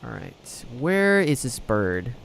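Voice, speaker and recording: A man's voice: mid-range voice, sing-song, slow pace, creaky, very noisy. Casual rambling male game streamer. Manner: rambling, thinking aloud. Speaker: game livestreamer. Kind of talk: casual live game commentary, chatting with viewers.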